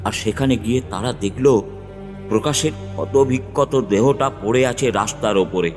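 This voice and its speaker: Guy doing a dramatic first-person ghost story narration, music clearly under him. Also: mid-range voice, normal speed, a little mellow. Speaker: narrator and tantric guru. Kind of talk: scripted horror narration.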